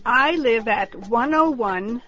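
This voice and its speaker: A woman repeating lesson phrases with slow, careful enunciation. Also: fairly high pitch, expressive, pushed and bright. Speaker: drill speaker in language lesson. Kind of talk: slow repetition drill. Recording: dull recording with faint music.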